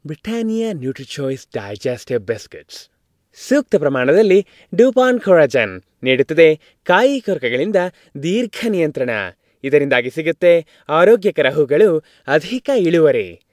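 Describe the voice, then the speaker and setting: A man's voice: on the high side, big pitch swings, measured pace, darkish tone, no echo, clean studio sound. A man from India reading scripted advertisement voice-overs as a commercial voice artist.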